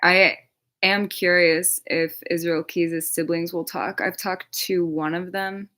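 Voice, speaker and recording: A woman's voice: lowish voice, level tone, slow pace, a bit bright. A woman chatting casually on a livestream as a true crime creator, rambling with lots of filler words and casual swearing.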